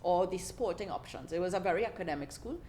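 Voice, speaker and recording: A middle-aged Trinidadian woman with a notably low voice tells her story in a relaxed, chatty way. She laughs often and restarts her sentences as she talks. Faint background noise sits under the voice. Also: quick pace. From Trinidad and Tobago. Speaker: podcast guest. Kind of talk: casual interview storytelling.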